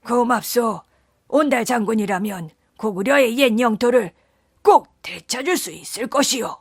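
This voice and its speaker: A woman's voice: on the high side, moderate pace, husky, dry recording, clean studio sound. A woman voicing an old king in a children's folktale, speaking in stately, archaic royal speech. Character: stern old king of an ancient kingdom. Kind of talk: storybook narration.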